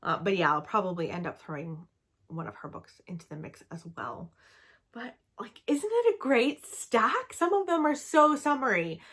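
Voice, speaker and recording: A young Canadian book vlogger chats enthusiastically in a casual review, peppering her talk with "um" and "like." Her voice is medium-pitched and a bit bright, with big pitch swings and a moderate pace.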